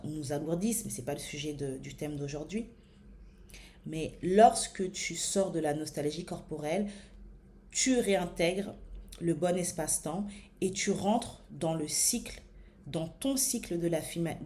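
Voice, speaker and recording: A French woman in her thirties, a body-image coach, gives a motivational talk straight to camera for her viewers. Her mellow voice sits a little low, and she speaks slowly and deliberately with many hesitations and fillers as she searches for words. Faint room ambience and a little hiss or hum sit behind her.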